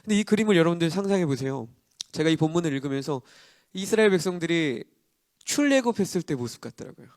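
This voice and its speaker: A male pastor preaching a morning sermon, his voice sitting fairly high for a man. He walks the listeners through the text with rhetorical questions and dramatic readings of quoted speech. The sound is dry, with no room echo. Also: very animated, fast, a little mellow. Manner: explanatory, with rhetorical questions to the congregation; acts out quoted lines dramatically.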